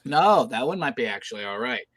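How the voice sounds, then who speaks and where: A man's voice: mid-range voice, big pitch swings, a little fast, fairly bright tone, no echo, studio quality. A middle-aged man from Michigan, co-hosting a casual football picks show and ranting bluntly about teams. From Michigan, USA. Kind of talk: casual sports chat.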